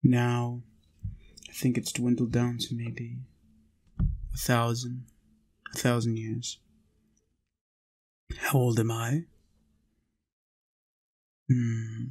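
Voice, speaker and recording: A man playing a centuries-old but youthful vampire in an intimate roleplay audio, coaxing and possessive yet tender, speaking in deliberate short phrases with pauses. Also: mid-range voice, a little mellow. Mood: musing, hushed. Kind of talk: intimate roleplay audio, slow monologue to listener.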